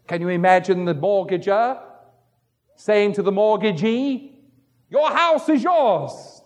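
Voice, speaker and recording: A middle-aged male pastor preaching a sermon who tells stories and acts out the voices of the people in them. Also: big-room sound. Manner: storytelling, acts out quoted voices with wide pitch swings.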